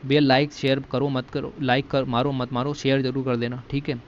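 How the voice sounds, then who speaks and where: A man talks through exam-prep material in a relaxed, chatty way, dropping "okay" and "alright" between points. His voice sits at an ordinary middle pitch. The recording is a little dull, with a faint hiss behind it. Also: a little fast. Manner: chatty, repeats "ठीक है" and "okay" as fillers. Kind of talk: casual lecture walking through a magazine.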